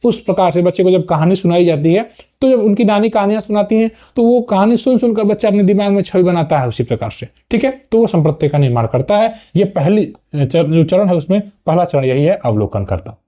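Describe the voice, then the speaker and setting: A young man lecturing to students with a fairly high pitch, while his tone stays very dark and mellow. He explains step by step, often checking in with a quick "okay" and restarting words as he goes. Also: animated. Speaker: teacher.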